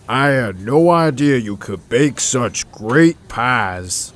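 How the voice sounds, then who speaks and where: Unhurried friendly man played by an actor. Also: medium pitch, expressive, a bit bright. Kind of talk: amateur audio drama acting.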